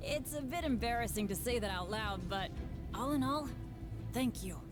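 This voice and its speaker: A woman's voice: a little high, lively intonation, normal speed, lightly acted. An actress voicing an earnest, upbeat young male adventurer in a game, eager, encouraging and sincere. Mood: grateful, sincere. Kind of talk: scripted anime game voice acting. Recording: game music behind the voice.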